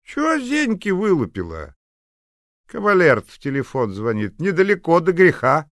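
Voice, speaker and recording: A man's voice: fairly high pitch, big pitch swings, unhurried, vocal fry, fairly bright tone, no echo, studio quality, pitched above the performer's own voice, heavily acted. A man voicing a nosy, spiteful old woman neighbor who sneers and scolds. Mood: scolding.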